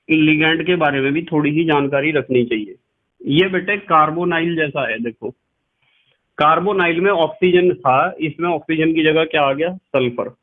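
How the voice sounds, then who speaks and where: A male chemistry teacher with a somewhat high voice gives a patient classroom lecture. He calls his students "beta", repeats key terms and spells them out letter by letter. The recording is thin and tinny, like a phone line.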